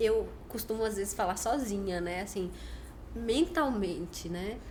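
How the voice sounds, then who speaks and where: A soft-spoken woman talks with audible room echo. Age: 40s. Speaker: mother and book discussion guest. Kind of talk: casual chat.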